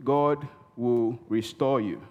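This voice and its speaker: This preacher has a medium pitch and takes it slowly, while the recording has its highs cut off and echoes in a reverberant church hall. Emphatic, he repeats key words for effect and calls for responses from the congregation.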